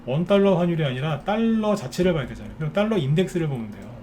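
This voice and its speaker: A man's voice: fairly high pitch, lively intonation, very fast, warm tone, slight background noise. A man giving a live stock market lecture, ranting bluntly and firing rhetorical questions at his viewers.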